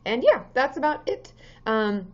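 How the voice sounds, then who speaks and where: A woman in her thirties, a therapist, chats casually on a live stream, greeting viewers by name with lots of ums. Her slightly hoarse voice is high-pitched with big pitch swings, and she speaks a little slowly. The highs are cut off.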